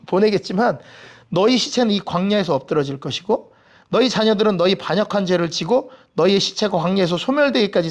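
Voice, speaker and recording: A man teaching a Bible study with humor, asking the audience questions and acting out the people he quotes. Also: high-pitched. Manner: lively, humorous, acts out quoted voices.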